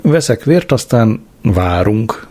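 A man voicing a calm, weary foreign male doctor who speaks in halting, broken phrases. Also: fairly low pitch. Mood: measured.

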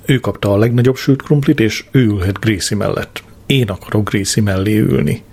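Male narrator playing a cranky elderly dad, whiny, demanding, husky low voice. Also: darkish tone. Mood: whining. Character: cranky elderly father in a wheelchair.

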